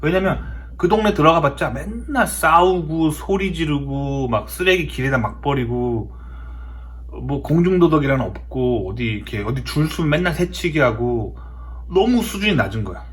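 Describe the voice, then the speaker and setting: A man's voice: a little high, expressive, normal speed. A man from South Korea talking casually in a storytelling monologue, emphatic and often repeating his words for effect. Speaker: host of a talk show.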